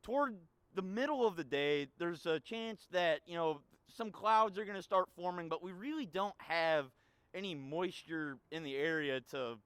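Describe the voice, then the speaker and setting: A young man with a high, smooth voice gives a casual weather forecast. He talks in a relaxed way with plenty of fillers. The sound is dry and close. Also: normal speed, no echo. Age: young adult. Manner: relaxed, filler-heavy delivery.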